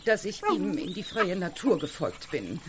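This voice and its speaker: A woman's voice: fairly low pitch, wildly swooping pitch, moderate pace, very noisy. An actress playing a flustered, hesitant, stammering woman in a children's audio drama. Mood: flustered, startled. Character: flustered woman translating what animals say.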